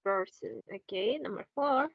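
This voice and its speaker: A woman's voice: mid-range voice, animated, a little slow, slightly rough, no echo, muffled recording. A woman teaching an English lesson, patiently correcting and repeating her student's words.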